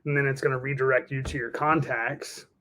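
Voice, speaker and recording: A man casually walking through a software task step by step in an informal, explanatory way. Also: medium pitch, fairly even intonation, fairly quick. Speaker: software demonstrator.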